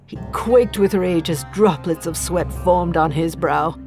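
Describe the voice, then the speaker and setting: Creaky voiced village witch telling her grim story, bitter n defiant, slow and grave, horror audio drama w faint music. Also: fairly low pitch, a little mellow. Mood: defiant, anguished. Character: accused village witch, bitter defiant childless female healer. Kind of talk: dramatic first-person horror narration.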